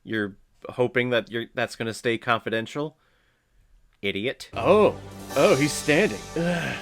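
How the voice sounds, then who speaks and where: A man's voice: medium pitch, expressive, moderate pace, a bit bright, faint music behind. A man hosting a casual movie watch-along, joking sarcastically and talking back to the screen. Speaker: reaction video host.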